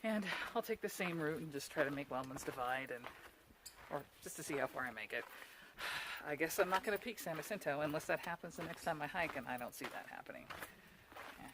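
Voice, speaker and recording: A woman's voice: low-pitched, animated, brisk, noisy background. Chatty woman vlogging on a hiking trail. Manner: chatty, laughs often, self-deprecating. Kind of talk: casual vlog chat. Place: on a mountain trail outdoors, later at home.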